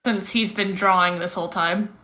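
A woman's voice: mid-range voice, steady tone, normal speed, sharp tone. A woman playing a tabletop game, talking casually with the group.

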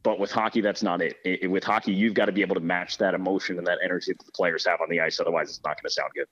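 Male sports broadcaster, low register, earnest and explanatory interview delivery, slightly dull recording. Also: fairly even intonation, rapid-fire, a bit bright. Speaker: hockey play-by-play broadcaster being interviewed. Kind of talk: conversational interview answers.

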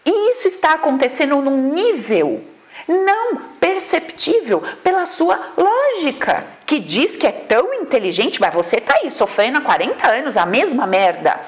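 A woman's voice: high-pitched, sing-song, normal speed. A woman teaching a class as a therapist, blunt and emphatic, firing off rhetorical questions and swearing casually. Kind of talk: spirited lecture to an audience.

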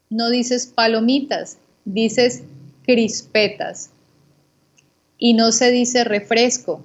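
A Colombian woman, a guest teacher, calmly contrasting words and giving examples for Spanish learners. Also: fairly high pitch, highs cut off. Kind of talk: slow didactic conversation for learners.

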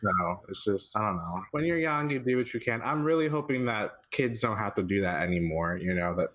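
A man from the United States co-hosting a casual recap podcast, speaking in a candid, expressive way. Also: lowish voice, a little fast. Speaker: podcast host.

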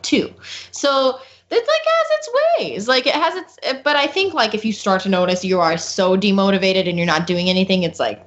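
A talkative young woman in a casual podcast chat. Her voice sits at a middle pitch but rises and falls a lot. She rattles on with frank asides and laughs often. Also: a bit bright, highs cut off. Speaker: podcast co-host.

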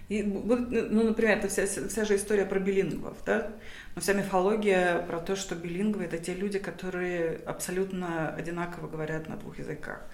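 A woman's voice: fairly low pitch, level tone, fairly quick, a little mellow. Thoughtful woman in an echoey room. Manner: thoughtful, hesitant, many fillers and restarts. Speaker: academic guest. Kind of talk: reflective interview answers. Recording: roomy echo.

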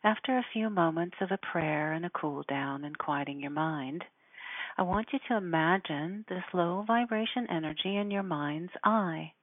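Woman doing a guided meditation lesson, measured and instructive, super dry close room sound, thin phone-like audio. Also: on the low side, no room sound. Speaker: spiritual teacher guiding listeners.

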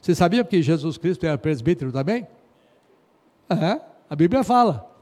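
A middle-aged man with a Brazilian Portuguese accent preaching a sermon as a pastor, emphatic and exhorting, swinging between loud stresses and quiet asides. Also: on the high side, big pitch swings, normal speed. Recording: long hall reverb.

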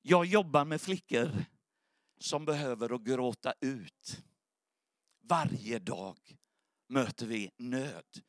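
A man's voice: medium pitch, expressive, long pauses, no room sound, studio quality. A man preaching a sermon, telling an earnest, emotional story as testimony.

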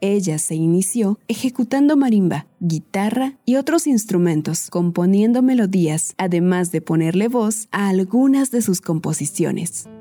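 A woman, narrating a documentary podcast as its host in a calm, measured way. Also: mid-range voice, soft background music.

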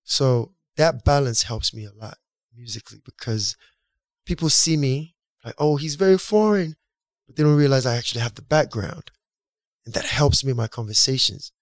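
A man's voice: mid-range voice, expressive, normal speed, no echo. A man from Nigeria whose first language is Yoruba, a guest musician talking about his career in a casual, rambling, reflective interview.

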